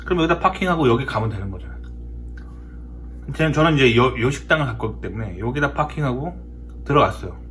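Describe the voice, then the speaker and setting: A man's voice: medium pitch, expressive, fast talker, long pauses, fairly bright tone, slight background noise. A man from South Korea talking casually in a storytelling monologue, emphatic and often repeating his words for effect. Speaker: host of a talk show.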